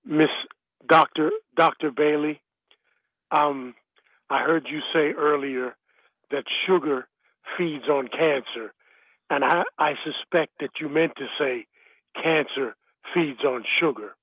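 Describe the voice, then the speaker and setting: A man phones in to a talk show, his voice husky and slow with pain. The line is thin and phone-like, and his voice sits a little high for a man. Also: dry recording. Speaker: caller. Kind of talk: radio call-in.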